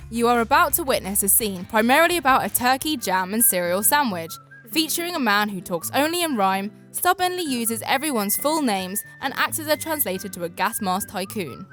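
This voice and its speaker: A British woman narrates with sardonic disbelief in a fairly high voice. Her comic scripted commentary runs over a music bed. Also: fairly bright tone. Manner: sardonic, incredulous. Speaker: video narrator.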